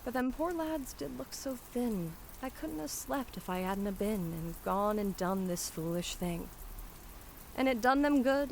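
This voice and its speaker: A woman voicing a brash, warm-hearted young Cockney flower seller who scolds and hawks her wares in a dramatic poem. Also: fairly high pitch, slight background noise, pitched above the performer's own voice, low-quality recording. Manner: street-hawker cries, scolding and dropping h's. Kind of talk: dramatic poetry performance.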